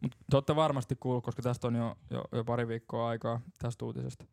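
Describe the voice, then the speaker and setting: A man's voice: medium pitch, level tone, creaky, a little mellow, no echo, studio quality. A young man from Finland hosting a casual drinking podcast, telling stories loosely and laughing often. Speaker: podcast host.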